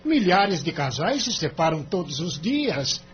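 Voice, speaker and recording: A greedy, tactless lawyer who drawls slowly and sneers, his pitch rising and falling freely, as an actor plays him. The sound is dull and lo-fi. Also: sing-song. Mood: sneering. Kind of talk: audio drama acting.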